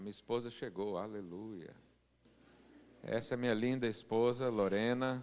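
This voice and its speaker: With long, frequent pauses, a man speaks at a medium pitch and with fairly even intonation. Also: moderate pace. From Brazil, Goiânia. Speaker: pastor. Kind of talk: sermon. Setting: church service.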